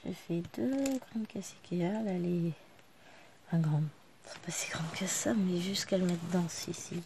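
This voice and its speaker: A woman's voice: lowish voice, unhurried, gravelly, a little hiss or hum. A woman in her thirties, a vlogger chatting casually to the camera while she works on a craft at home. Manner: chatty, talking quietly to the camera while working. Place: living room at home.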